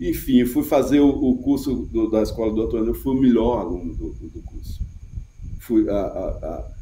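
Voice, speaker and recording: The man keeps a moderate pace, and audible room echo follows his words. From Alagoas, Brazil (Murici). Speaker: composer and music producer. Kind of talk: interview. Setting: TV studio. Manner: halting, many repetitions.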